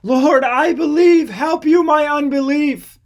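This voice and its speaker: Scripture audiobook role: desperate father begging for his only son, high, loud, imploring voice performed by a male narrator. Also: slow pace, heavily acted. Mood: tearful outcry. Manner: crying out, imploring.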